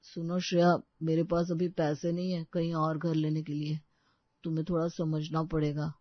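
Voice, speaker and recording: A mild young husband, played by a woman in a cartoon story. He pleads softly, pitched lower than the women around him. The recording is dry and a bit dull. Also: steady tone, moderate pace, dry recording, lightly acted. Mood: pleading. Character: meek young husband caught in the middle. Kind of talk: Hindi cartoon story voice acting.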